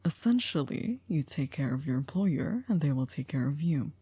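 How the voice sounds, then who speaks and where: A woman acts out an exacting chief maid of a grand estate for ASMR roleplay. The voice is low, dark and close with a dry, roomless sound. Each phrase is formal and measured, edged with dry reproach. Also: animated, husky, no echo, exaggerated voice.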